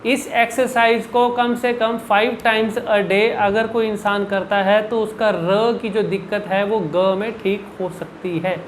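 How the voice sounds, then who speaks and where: Man, speech coach, unhurried instructional delivery, repeats sounds to demonstrate, faint background noise. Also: high-pitched, rough recording. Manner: deliberate, demonstrates sounds by repeating syllables and words. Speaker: speech and public speaking coach. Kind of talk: instructional video answering viewer questions.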